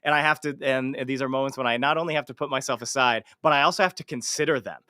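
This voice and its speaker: A man's voice: medium pitch, quick pace, pushed and bright, no room sound, studio quality. A man hosting a casual livestream interview, talking informally and swearing freely. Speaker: show host and amateur voice actor.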